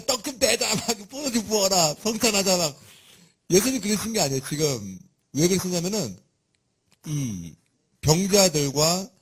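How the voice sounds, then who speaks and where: A man preaching a sermon in a lively, conversational and humorous way, with a husky voice. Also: fairly high pitch.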